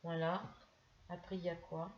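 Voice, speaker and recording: A woman's voice: on the low side, little pitch movement, normal speed, muffled recording. A middle-aged woman from France chatting casually in a haul video, hesitant and full of restarts as she shows a purchase. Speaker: craft vlogger.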